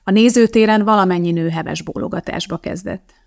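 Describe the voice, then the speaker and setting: A woman narrating an audiobook in a steady, even storytelling manner. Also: lowish voice, gravelly, no echo, studio quality.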